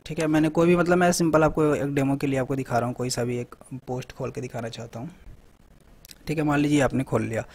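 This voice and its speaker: A man hosting a tech tutorial, talking casually through a software demo and often checking in with the viewer. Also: medium pitch, gravelly, a little hiss or hum. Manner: conversational, repeats "theek hai" often. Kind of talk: screen-recorded software walkthrough.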